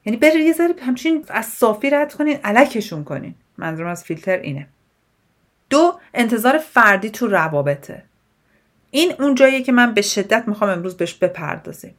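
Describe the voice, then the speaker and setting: A woman's voice: a little high, animated. A young adult woman from Iran, a life coach, gives advice in a solo podcast monologue, talking directly and animatedly with rhetorical questions and English loanwords.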